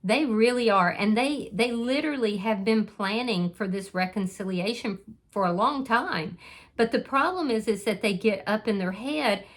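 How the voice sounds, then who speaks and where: A woman's voice: mid-range voice, moderate pace. A woman giving a casual spoken tarot reading, talking straight to the viewer in an earnest, reassuring way, with frequent fillers and restarts. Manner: speaks directly to the viewer. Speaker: tarot reader.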